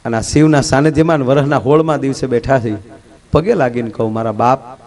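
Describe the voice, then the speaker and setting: A man's voice: medium pitch, brisk, darkish tone. A man telling folk jokes on stage, acting out the lines of the people in his stories and then turning to earnest moral advice. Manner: storytelling, acting out dialogue, turns preachy and rousing. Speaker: folk comedian and storyteller.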